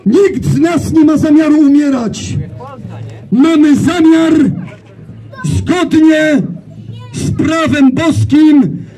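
A man with a Polish accent giving a fiery, slow, emphatic speech to an outdoor gathering, shouting much of it. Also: extremely high pitch, faint music behind, a faint crowd, poor audio. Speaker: rally speaker.

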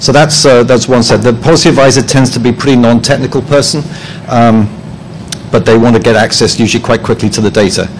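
A man's voice: medium pitch, quick pace, a little hiss or hum, rough recording. A man presenting at a professional conference, speaking hesitantly with many ums and restarts, and slipping in dry, self-deprecating jokes. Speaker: conference presenter, head of publishing. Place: conference room.

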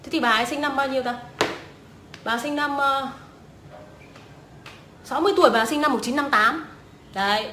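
A woman's voice: high voice, moderate pace, pauses often, bright, forceful tone, slight background noise. A young woman, ranting scornfully and swearing often as a vlogger. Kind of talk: profane ranting commentary. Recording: echoey room.

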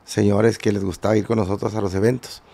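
Brief: male guest musician, gravelly texture, rambling storyteller. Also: on the low side, little pitch movement, fast, mellow. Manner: rambling anecdotes with many fillers and restarts. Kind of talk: casual interview storytelling.

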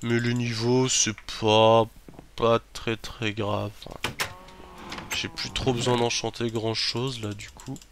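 A man giving chatty gameplay commentary as a let's play host, talking to himself and bursting into startled shouts and curses. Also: mid-range voice, flat delivery, slow pace, noisy background.

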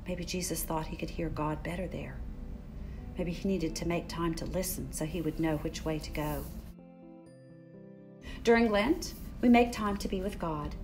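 An older woman hosting a children's story time, speaking in a gentle, deliberate way for young listeners. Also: on the low side. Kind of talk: children's story time, picture book read-aloud. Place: furnished room in a church building.

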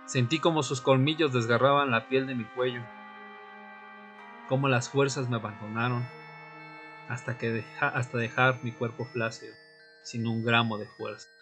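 A man playing a tormented young vampire, narrating an audio drama in the first person with solemn, deliberate, dramatic pauses. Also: mid-range voice, fairly even intonation, fairly bright tone, natural voice. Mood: grim, anguished. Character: Fernando, tormented newly turned male vampire recounting his death. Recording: music bed under the voice.

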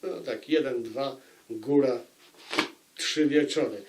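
A man speaks very slowly in a mid-pitched voice, as host of an informal book review. He is deliberate, leaving dramatic pauses and repeating phrases to stress them. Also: background noise.

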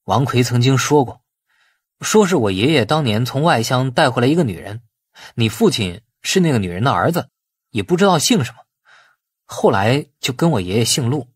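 Guy reading as an eager-to-please nephew in an audiobook, explaining stuff, husky and lively. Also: mid-range voice, normal speed, dry recording, clean studio sound. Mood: placating, explaining. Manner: explaining, placating. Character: deferential, placating male nephew in a family drama.

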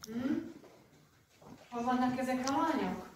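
Middle-aged woman running a kids storytelling contest, coaxing questions, higher voice, big echoey restaurant hall, mic far off. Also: lively intonation. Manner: encouraging, teacherly questions. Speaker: host of a children's folk-tale contest. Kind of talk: quizzing children before their turn. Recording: very echoey hall, distant mic, background noise.

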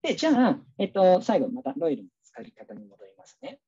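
A man's voice: on the high side, wildly swooping pitch, brisk, muffled recording, noisy background. A man teacher giving a casual, chatty online workshop, walking the audience through a demo with many fillers.

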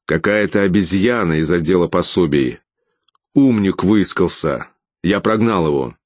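A man reading an audiobook, voicing the first-person hero, a desperate young father who shouts in raw, strained anger. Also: low-pitched, measured pace, no echo. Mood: weary.

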